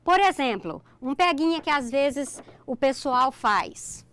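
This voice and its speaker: A woman's voice: high voice, animated, takes it slowly, fairly bright tone. A middle-aged Brazilian woman with a Brazilian Portuguese accent, teaching a recorded online grammar lesson. She explains step by step and keeps checking in with "ok?".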